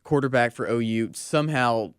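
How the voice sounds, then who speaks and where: A man's voice: mid-range voice, moderate pace, clear, resonant tone, no echo. A young man with an American accent talks sports on the radio. He chats loosely and uses plenty of slang. His voice is recorded very dry, with hardly any room sound. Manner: slangy, conversational. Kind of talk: casual sports talk radio chat.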